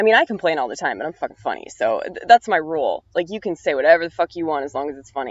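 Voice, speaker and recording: With an American accent, the speaker races along at a very fast pace with hardly any pauses, lively intonation and big swings in loudness. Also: man, high pitch for a man. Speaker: fast food worker and stand-up comedian. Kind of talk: casual talk to camera. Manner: profane, ranting.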